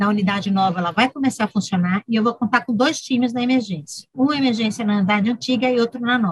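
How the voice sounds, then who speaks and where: A woman talks at a very fast pace with hardly any pauses, a fairly high pitch, ordinary pitch variation and very even loudness. Her voice is somewhat breathy, in a dry, close sound with no echo. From Brazil, São Paulo. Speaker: physician and healthcare manager. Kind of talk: interview.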